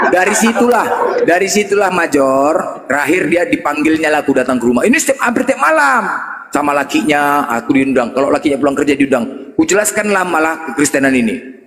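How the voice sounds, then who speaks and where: Animated man, echoey roomy sound. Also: a little high. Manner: teasing, laughing, mimics voices in quoted dialogue. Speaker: Muslim apologist debater. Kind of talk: animated storytelling in a debate chat. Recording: echoey room with long reverb.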